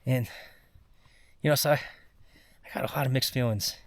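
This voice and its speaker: Man, exhausted, weary delivery, halting and rambling, casual personal vlog monologue. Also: mid-range voice, fairly even intonation, no echo. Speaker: mountain climber recording a personal expedition vlog.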